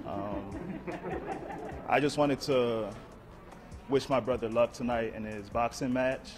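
A man speaking briefly and softly at a press conference outdoors at night. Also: on the low side. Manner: soft-spoken, brief.

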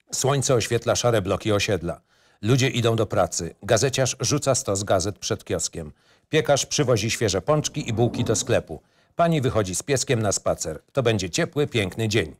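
Male narrator for screenplay reading, lowish voice, clipped and matter-of-fact.

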